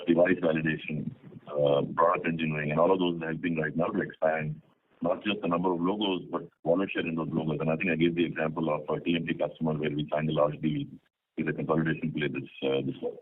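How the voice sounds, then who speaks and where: A man with a husky voice answering as a company executive on an earnings call, explaining in business jargon over a phone conference line. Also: rumbling low, narrow, tinny audio, slight background noise. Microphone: telephone.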